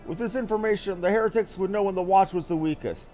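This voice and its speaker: A man's voice: sits high, fast talker, warm tone, soft background music, natural voice. A man voicing a stern, worried knight officer from a fantasy game, speaking formally and emphatically. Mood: grave, urgent. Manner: formal, emphatic, archaic phrasing. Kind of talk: reading game dialogue in character.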